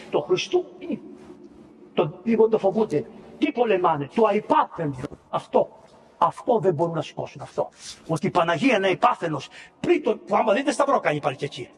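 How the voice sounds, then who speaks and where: Greek priest preaching, high and lively. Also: male voice. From Greece. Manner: explains a hymn verse by verse, asking and answering his own questions; acts out biblical scenes with sound words and quoted speech. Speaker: Orthodox priest. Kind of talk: sermon. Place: church. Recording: long church reverb.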